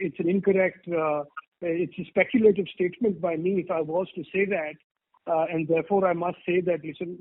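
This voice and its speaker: A man with an Indian accent answering earnings call questions as a company executive, measured, hesitant and careful, over a telephone line. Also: sits high, no room sound. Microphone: telephone conference line. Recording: tinny narrow phone line.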